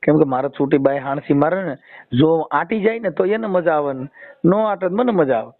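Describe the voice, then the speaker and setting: Man, Saurashtra Gujarati accent, rapid casual questioner with a teasing streak, heard over a narrow phone line. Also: on the high side, expressive. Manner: teasing, colloquial, repeats and rephrases answers. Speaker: host mediating a family dispute by phone. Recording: tinny, narrow phone-call audio.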